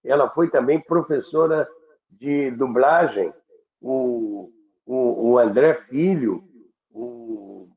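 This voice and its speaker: A Brazilian man hosting a reminiscing talk, halting and repeating words as he searches for them, on a roomy, dull recording. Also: mid-range voice. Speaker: host of a radio history show.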